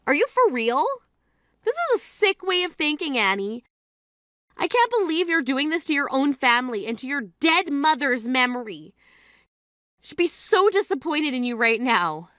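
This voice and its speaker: A woman's voice: sits high, big pitch swings, moderate pace, fairly bright tone, no echo, clean studio sound. An actress playing a grieving sister who scolds her self-absorbed sibling in a blunt, exasperated way. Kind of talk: scripted drama acting.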